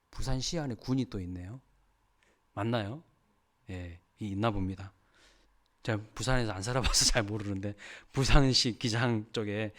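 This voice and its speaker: A male pastor preaches in storytelling mode, with a voice of ordinary middle pitch. He turns often to ask the congregation questions as he tells the tale. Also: fairly bright tone. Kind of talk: sermon.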